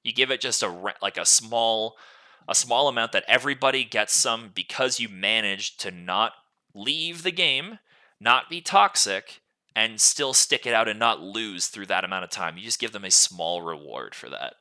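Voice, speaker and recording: Bright, forceful man rambling on podcast. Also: fairly low pitch, animated, normal speed. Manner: rambling, explains at length; casual swearing. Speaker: podcast host. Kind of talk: casual gaming podcast chat.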